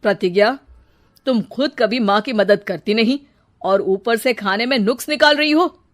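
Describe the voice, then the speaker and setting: A woman's voice: a little high, normal speed, close to an everyday voice. A woman voicing a young man who complains to his mother and scolds his wife in a cartoon story. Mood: scolding. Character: young man, annoyed grown son.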